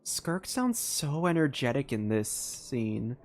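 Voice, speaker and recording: A casual, expressive streamer reacting live to a game. The voice is medium in pitch and highly animated, rising and falling freely. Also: takes it slowly.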